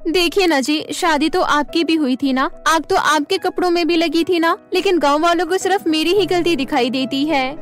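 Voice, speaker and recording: A high-voiced young bride from a cartoon storybook, acted by a woman. She is earnest and easily upset, speaking with plaintive expressiveness over faint music. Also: moderate pace, hardly any pauses. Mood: aggrieved, sad.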